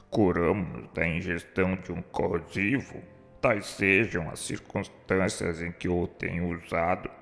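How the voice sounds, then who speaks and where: An actor playing a remorseful, educated suicide's spirit in a radio drama, speaking solemn, formal, declamatory lines. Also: male voice, low voice, gravelly, fairly bright tone, heavily acted. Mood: solemn conviction. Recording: long hall reverb, music underneath.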